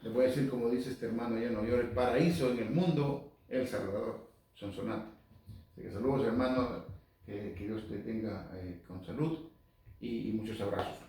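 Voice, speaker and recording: Guy doing a relaxed catholic bible class on the radio, chatty, repeats himself, reads verses slow, far from the mic in a big echoey room. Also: mid-range voice. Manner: conversational, repeats words, reads verses slowly. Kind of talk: informal Bible study talk.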